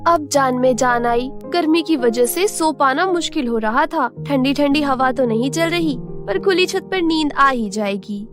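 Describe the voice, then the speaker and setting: A woman's voice: sits high, measured pace, few pauses, over music, voice pushed up. A woman voicing a sweet, innocent young village girl full of curious wonder in a cartoon storybook. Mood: relieved.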